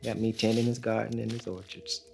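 An actor in an audio drama playing a young enslaved father who talks in a calm, plainspoken drawl. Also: fairly low pitch, a little fast, gravelly, faint music behind. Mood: steady. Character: young enslaved male father, steady and hopeful.

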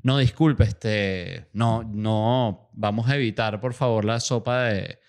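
A man voicing a polite, fussy father who pleads hesitantly in a smooth voice. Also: lowish voice, slow pace, a little mellow. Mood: pleading.

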